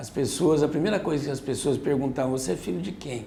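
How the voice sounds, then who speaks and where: A man with a fairly high voice speaks amid audible room echo. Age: 60s. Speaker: business founder. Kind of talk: interview.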